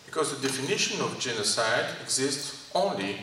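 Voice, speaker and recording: A man with a Greek French accent giving a lecture to an audience in a college hall, speaking in short halting phrases and asking the audience questions. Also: medium pitch, very animated, pushed and bright. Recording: echoey hall from far off, faint noise.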